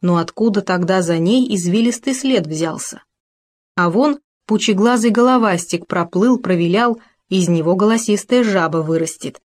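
A woman narrating a children's story in a lively, expressive reading voice. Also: medium pitch, normal speed.

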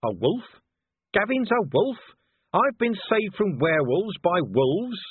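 A man voicing a weary, blunt middle-aged male watch commander in an audiobook, with sarcastic, gruff delivery. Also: sits high, sing-song, unhurried, no room sound, pitched above the performer's own voice, full character voice. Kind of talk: audiobook character voice. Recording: dry, narrow phone-like sound.

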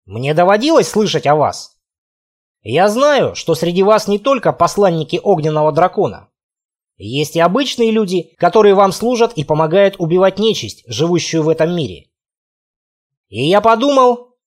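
A man voicing a big, stubborn warrior who speaks gravely, in an audiobook. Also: high-pitched, big pitch swings, normal speed. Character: brooding burly male warrior, stubborn.

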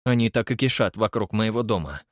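A man voicing a grumbling, gruff older hermit who talks dryly, in an audiobook reading. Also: lowish voice, expressive, fairly quick, no echo, clean studio sound, lightly acted.

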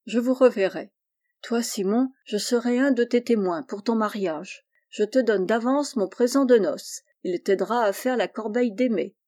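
Woman reading kind old gentleman saying goodbye, warm and solemn, mellow storybook voice. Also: high voice, normal speed, lightly acted. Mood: affectionate. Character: kindly generous older gentleman benefactor.

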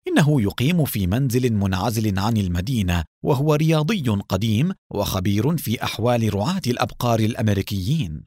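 A man voicing a calm, quiet male police captain in a storybook reading. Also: fairly low pitch, no room sound, studio quality. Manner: quiet and measured.

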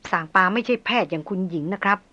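A stern, seasoned male hunter voiced by a woman reading a storybook aloud explains things patiently and steadily. The tone stays bright and forceful while the pace stays unhurried. It is a gruff, grounded jungle-tracker figure. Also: fairly low pitch, dry recording, muffled recording, voice pushed down. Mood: calm explaining. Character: stern middle-aged male master hunter, calm.

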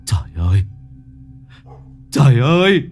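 A man's voice: mid-range voice, very animated, fast talker, soft background music, voice pushed up. A man doing a sobbing, panicked young father. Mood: wailing grief. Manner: wailing, stammering, panicked shouts. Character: grief-stricken young father, frantic and sobbing.

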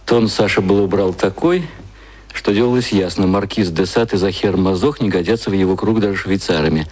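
An actor playing a brooding, ironic, intellectual advertising copywriter in an audio drama, speaking in a measured, deliberate way. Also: male voice, low-pitched, darkish tone, breathy edge, dry recording. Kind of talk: audio drama acting, inner monologue and reading. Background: music.

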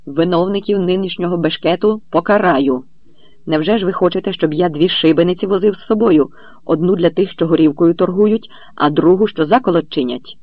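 Man reading as a calm, thunderous commander. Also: high-pitched, brisk, no echo. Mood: stern, commanding. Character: stern older male commander, calm authority. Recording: dull lo-fi recording.

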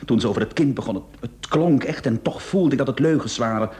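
An actor playing a meek, guilt-ridden, henpecked husband in a radio play, hesitant and subdued. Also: male voice, mid-range voice, fast talker, a little mellow, close to an everyday voice. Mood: shaken, confessing. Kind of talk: Dutch-language radio play acting.

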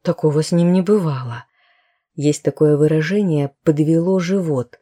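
A woman's voice: deep voice, normal speed, mellow. A woman narrating a story as an audiobook, in a wry, conversational way with colloquial turns.

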